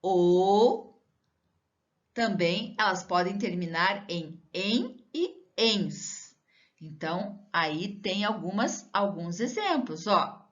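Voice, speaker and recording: A woman schoolteacher from Brazil giving a recorded lesson to children, talking slowly and drawing out her words, asking the pupil questions as she goes. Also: medium pitch, lively intonation, fairly bright tone, muffled recording. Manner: slow, drawn-out teacher talk with rising questions to the pupil.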